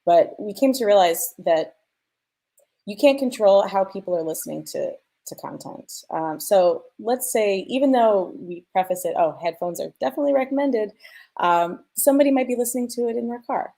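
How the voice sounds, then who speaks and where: A woman's voice: medium pitch, animated, moderate pace, mellow. A woman sound designer speaking as a panel guest, explaining technical craft in a conversational way and illustrating her points with examples.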